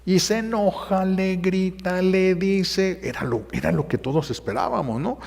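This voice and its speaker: A man, a priest giving a homily in a loose, conversational way, with halting fillers and acted-out quotes. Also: sits high, gravelly, darkish tone, in a large hall. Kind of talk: sermon.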